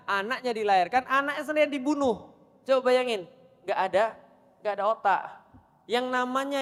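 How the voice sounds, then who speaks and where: High-voiced male preacher in an echoey hall. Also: fairly bright tone. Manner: quizzes the audience with rapid questions. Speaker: Islamic preacher. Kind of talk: sermon to a women's gathering.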